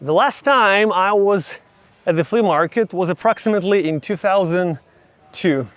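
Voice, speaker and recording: A man's voice: sits high, no echo. Chatty Ukrainian man vlogging on foot. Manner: chatty, explains words slowly and repeats them. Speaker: vlogger and English teacher. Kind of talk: casual travel vlog with teaching asides. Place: outdoors on city streets.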